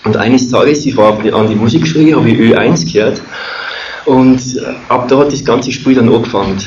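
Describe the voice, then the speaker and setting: A middle-aged man with an Austrian or Bavarian accent tells a personal story informally, in a rambling, halting, colloquial way. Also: mid-range voice, a little mellow. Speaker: speaker telling a personal testimony. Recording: muffled, echoey room with clear noise.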